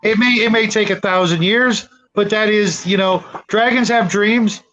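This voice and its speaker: A man's voice: sits high, moderate pace, sharp tone, poor audio. A man hosting a casual online panel discussion, chatting informally with the other guests. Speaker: host of online roleplaying panel.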